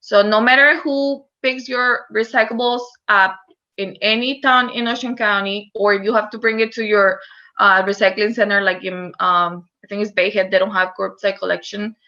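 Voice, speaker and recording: A woman's voice: mid-range voice, fairly even intonation, normal speed, pushed and bright, highs cut off. A woman from Costa Rica with a Costa Rican Spanish accent, giving an earnest online talk on recycling with frequent fillers. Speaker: recycling educator. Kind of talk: online presentation.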